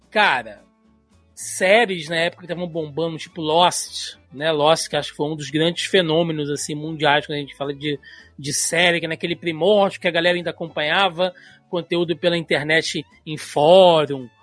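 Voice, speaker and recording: A man's voice: on the high side, moderate pace, fairly bright tone, faint music behind. A man in his thirties with a Carioca accent, co-hosting a casual podcast and explaining at length with many fillers. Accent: Carioca Portuguese. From Brazil. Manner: chatty, lots of "né" fillers, tangents. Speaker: podcast co-host.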